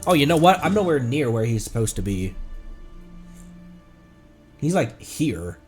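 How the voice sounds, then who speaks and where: A man's voice: medium pitch, big pitch swings, measured pace. A man giving casual live gameplay commentary as a streamer, chatty and thinking aloud. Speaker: video game streamer. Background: faint game music.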